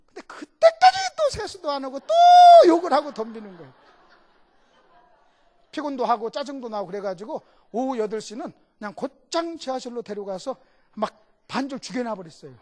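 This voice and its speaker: A middle-aged male guest pastor delivers a sermon with a voice that rises and falls dramatically. He moves between fervent shouting and quiet, confiding asides. He acts out little voices and keeps asking the congregation questions. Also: very high voice. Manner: animated, swings between shouting and hushed asides.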